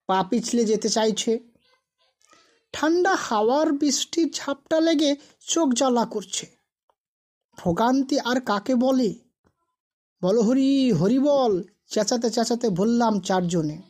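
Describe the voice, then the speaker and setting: A woman's voice: on the high side, mellow. A woman reading a scripted ghost story as a storyteller.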